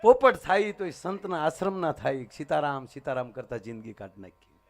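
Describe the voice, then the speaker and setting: A man's voice: on the high side, moderate pace. A man telling comic stories at a live folk show, acting out each character. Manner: animated, acts out every character in the story. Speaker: folk comedian storyteller. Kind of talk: live folk comedy storytelling.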